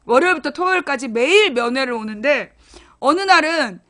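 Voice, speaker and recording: A woman's voice: high-pitched, animated, fairly quick, fairly bright tone. A woman hosting a casual live internet broadcast, talking bluntly to her viewers, swearing freely and retelling stories with animation.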